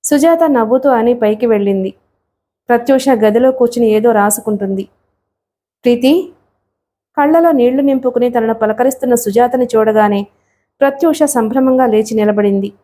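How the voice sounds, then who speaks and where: A woman narrating a novel in a steady, measured storytelling voice. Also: a little high. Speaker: audiobook narrator.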